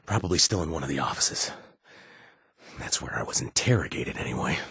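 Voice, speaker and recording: A man's voice: very deep voice, lively intonation, brisk, vocal fry, pushed and bright, husky, no echo, clean studio sound, exaggerated voice. An actor playing a reformed ex-gang man turned bartender in a video game, laid-back and wisecracking. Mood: pleading.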